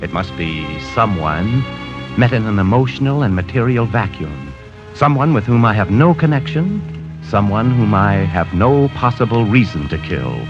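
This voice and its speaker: A cold, clinical killer recounts his plan in a deep, low voice, calm and clipped. The sound is a dull old radio broadcast with music underneath. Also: normal speed. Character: cold, precise male killer keeping a diary. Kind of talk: 1940s radio drama narration.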